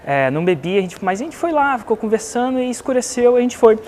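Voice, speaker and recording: A man's voice: extremely high pitch, fast talker, slight background noise. A man from Brazil with a Brazilian Portuguese accent, animatedly telling a story to teach a lesson and acting out the other people's lines. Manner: animated, acts out the other voices in his story. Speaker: online business coach.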